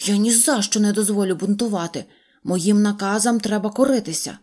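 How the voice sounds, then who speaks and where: A woman's voice: mid-range voice, brisk, darkish tone, close to an everyday voice. A woman voicing a bossy old male tin-soldier general in a storybook, speaking commandingly and indignantly.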